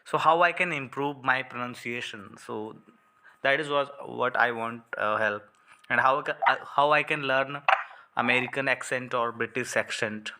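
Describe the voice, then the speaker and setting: Young indian guy on a call, lots of uh and like, bright voice. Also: medium pitch, moderate pace. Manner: hesitant, many fillers. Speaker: learner and channel host. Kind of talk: casual online conversation. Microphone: video call.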